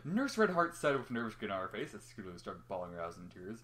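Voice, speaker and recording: Reading a story aloud, a young adult sounds very animated, speaking quickly in a low voice with a fairly bright tone. It's an informal, amateur reading marked by stumbles, teasing, and swearing between passages, over noticeable background noise.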